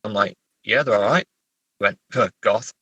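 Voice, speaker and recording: A man from England chatting casually as an interview guest, halting and self-correcting, with a wry way of telling stories. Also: lowish voice, pushed and bright, slightly rough, dry recording, lo-fi sound. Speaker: horror novelist and therapist guest. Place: sitting in a parked car.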